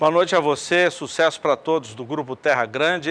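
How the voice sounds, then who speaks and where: A man speaks with a Brazilian accent. His pitch is fairly high. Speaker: TV news anchor. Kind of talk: news reading. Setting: studio. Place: studio. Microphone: lapel.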